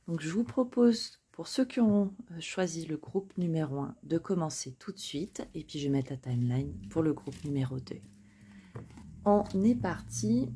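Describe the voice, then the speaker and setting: A woman's voice: low voice, warm tone, slight background noise. A woman chatting casually as she lays out tarot cards for her viewers, hesitating often and joking at her own expense. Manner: chatty, hesitant with frequent fillers, self-joking. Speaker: tarot card reader. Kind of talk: casual spoken card reading.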